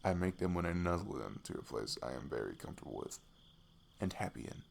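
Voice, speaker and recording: A man playing a shy, affectionate young best friend in an intimate ASMR roleplay, speaking softly and haltingly with a giggly manner. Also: low voice, very animated, vocal fry, full character voice. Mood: bashful, affectionate. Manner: halting, giggly, soft-spoken. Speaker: audio roleplay performer. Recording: faint noise, night crickets behind. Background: crickets and night insect ambience.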